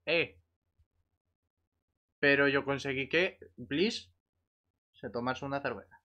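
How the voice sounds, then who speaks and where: A man from a gaming voice chat with a Spanish accent from Spain. His voice is bright and mid-pitched, and he talks casually, often circling back over words. The audio is a little dull. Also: slow. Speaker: gamer in a voice chat.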